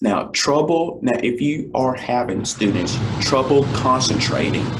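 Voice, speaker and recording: Audible room echo surrounds a man talking at a very slow pace, his medium pitch showing ordinary variation. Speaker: education podcaster. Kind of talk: podcast monologue. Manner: casual, filler-heavy.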